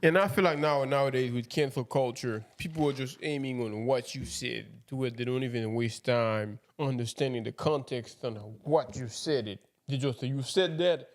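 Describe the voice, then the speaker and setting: A young man from Haiti co-hosting a podcast in a relaxed, conversational way. His voice sits at an ordinary middle pitch. He tells anecdotes and acts out the dialogue of the people in them. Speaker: podcast co-host. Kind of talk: casual chat.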